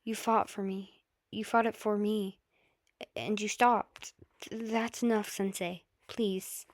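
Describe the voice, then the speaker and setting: A woman voicing a shaken, devoted teenage boy student in a fan story, halting and imploring. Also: medium pitch, little pitch movement, no echo, natural voice. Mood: pleading.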